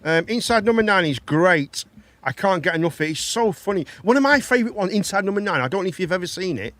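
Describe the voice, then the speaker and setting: Black country bloke hosting a chatty show, high voice that jumps about, gushes and repeats himself. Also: male voice, animated, quick pace, a bit bright, no echo. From Dudley, England. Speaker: host of a live talk show. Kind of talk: casual chat.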